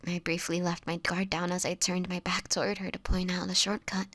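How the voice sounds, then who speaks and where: A woman playing a sickly, homeless vampire in an intimate audio roleplay, speaking in a breathy, whispery voice with halting, hesitant delivery. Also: fairly low pitch, little pitch movement, a bit bright, no room sound. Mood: somber recounting. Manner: halting, hesitant storytelling with pauses.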